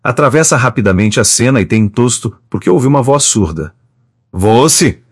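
A man reading a stage play aloud, stage directions included, in a plain and steady manner. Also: medium pitch, a little fast, no room sound, studio quality. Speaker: reader of a play.

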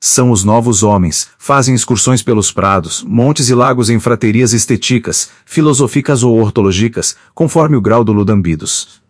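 An audiobook narrator reads a chapter in a steady, measured manner. His voice is medium in pitch, and the recording is dry with studio quality.

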